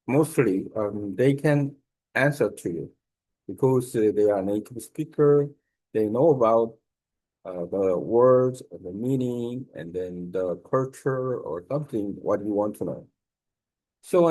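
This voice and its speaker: Slow, low-voiced man explaining in halting English. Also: warm tone, poor audio. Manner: halting, simple non-native English with searching pauses. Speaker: language learner giving a lesson. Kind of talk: unscripted explanatory talk.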